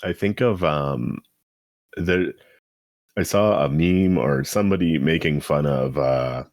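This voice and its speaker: A man's voice: extremely low pitch, slow, darkish tone, no room sound, clean studio sound. A man co-hosting a podcast, riffing wryly in casual chat. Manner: wry, rambling riffs. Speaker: podcast co-host.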